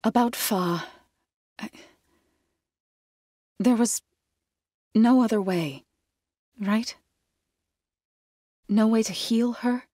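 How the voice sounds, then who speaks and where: An actress voicing an earnest young tribal woman warrior in a video game, grave and devout, with measured, careful phrasing. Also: on the high side, mellow, no echo, clean studio sound. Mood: troubled. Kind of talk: video game character voice acting.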